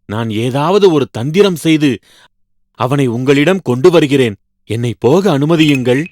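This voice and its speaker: A man voicing a sly, flattering, treacherous fox in a children's cartoon fable, coaxing and scheming. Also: medium pitch, unhurried, dry recording, studio quality, lightly acted. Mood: eager flattery.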